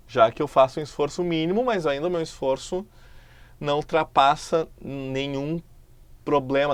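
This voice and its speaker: A man with a Brazilian Portuguese accent teaching a recorded lesson, explaining patiently and stretching example words out slowly. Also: mid-range voice, dry recording.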